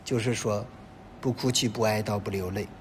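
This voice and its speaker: A man who is a Catholic priest, preaching a sermon in an animated way, asking his listeners many rhetorical questions. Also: moderate pace. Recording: long reverb with faint low rumble.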